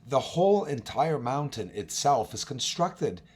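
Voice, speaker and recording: Hoarse, raspy man narrating informally. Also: medium pitch, sing-song, unhurried. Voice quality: raspy, husky. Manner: emphatic, addresses viewers directly as guys. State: hoarse voice, recovering. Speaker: video host, amateur telescope observer. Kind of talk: informal narrated walkthrough of on-screen images.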